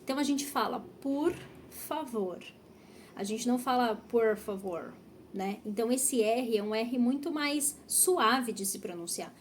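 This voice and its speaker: A young Brazilian woman teaching Portuguese pronunciation in an online lesson, speaking model phrases slowly and carefully for learners to repeat. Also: on the high side, slight background noise. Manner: slow, over-articulated model phrases for repetition.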